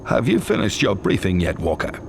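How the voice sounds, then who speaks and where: Game commander: authoritative, brisk, clipped, lively intonation, audible humming ambience behind. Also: male voice, lowish voice, vocal fry, a little hiss or hum, exaggerated voice. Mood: stern, urgent. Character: commanding male senior military officer, brisk, serious. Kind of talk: game cutscene acting, military status briefing.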